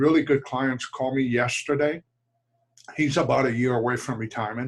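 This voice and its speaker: Flat and monotone, a man's medium-pitched voice carries on. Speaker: financial advisor. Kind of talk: live show monologue. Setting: Facebook live stream. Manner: slight mumbling.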